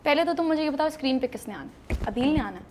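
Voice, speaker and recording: A young woman with a Pakistani accent, an actress guest in an interview, telling a story in a lively way and acting out the dialogue. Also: sits high, a little hiss or hum. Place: interview set.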